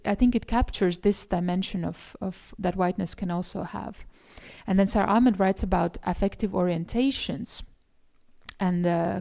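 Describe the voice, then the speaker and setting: A middle-aged woman from gives a conference lecture, explaining and reflecting in a halting, thoughtful way. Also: lowish voice, creaky, warm tone. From Eastern Europe. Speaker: academic keynote speaker. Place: indoor conference room, presenting in front of slides.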